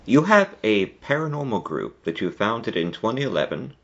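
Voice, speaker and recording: A man's voice: fairly low pitch, sing-song, moderate pace, fairly bright tone. A man hosting an interview, putting prepared questions to a guest. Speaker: podcast host, interviewer. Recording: dull lo-fi audio.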